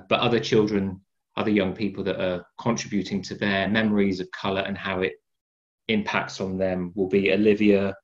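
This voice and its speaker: Middle-aged man on a lo-fi video call. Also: low-pitched. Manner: relaxed, with frequent fillers. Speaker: artist and teacher. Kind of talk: casual video call introduction. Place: room at home with a large colourful wall hanging. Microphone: laptop webcam on video call. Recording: dull lo-fi video call audio.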